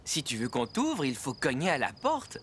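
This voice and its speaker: A man's voice: mid-range voice, wildly swooping pitch, normal speed, fairly bright tone, a little hiss or hum. A man playing a friendly, encouraging, playful father in a French children's cartoon, coaxing his young son along.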